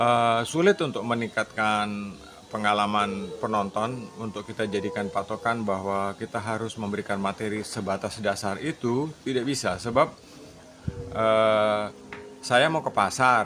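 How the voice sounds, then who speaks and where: A man with an eastern Indonesian accent and ordinary pitch variation. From eastern Indonesia (Papua). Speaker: YouTuber and practical skills teacher. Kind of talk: casual vlog monologue.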